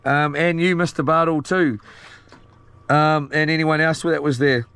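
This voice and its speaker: Broad Kiwi bloke, clear higher-pitched voice. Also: male voice, fairly even intonation, measured pace, fairly bright tone. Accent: broad New Zealand. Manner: slangy, matey, rambling. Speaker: live streamer. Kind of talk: casual live-stream chat, reading out and answering viewer comments.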